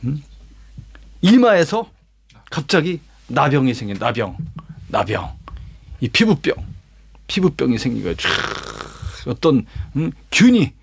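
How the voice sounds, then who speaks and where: A man's voice: medium pitch, very animated, unhurried, vocal fry, long pauses, breathy edge. A male pastor telling a Bible story as a lesson, dramatic, with vivid sound words and rhetorical questions. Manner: acts out quoted lines himself.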